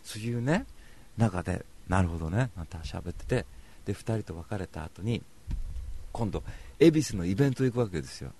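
A man hosting a casual monologue, telling stories in a chatty, animated way and slipping into voices. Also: on the low side, moderate pace, slightly rough. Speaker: podcast host.

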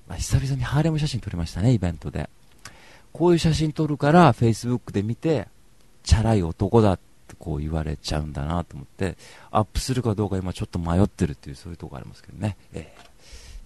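Lively chatty man telling stories. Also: deep voice, gravelly, breathy edge. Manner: animated, chatty, slips into acted voices. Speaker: podcast host. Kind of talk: casual monologue storytelling.

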